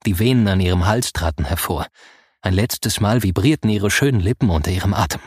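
A man narrating a first-person audiobook in a soft, grave storytelling manner. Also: low voice, fairly quick, slightly rough, no echo, studio quality.

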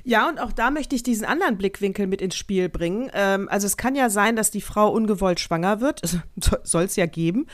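A woman's voice: medium pitch, lively intonation, a little fast. A woman co-hosting a casual chat, speaking frankly and directly, with many hesitations and restarts. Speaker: podcast co-host. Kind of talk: casual conversation.

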